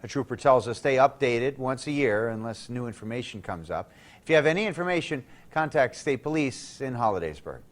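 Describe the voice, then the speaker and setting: A man reading a scripted TV news segment with a crisp anchor delivery. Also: mid-range voice, lively intonation, fairly quick.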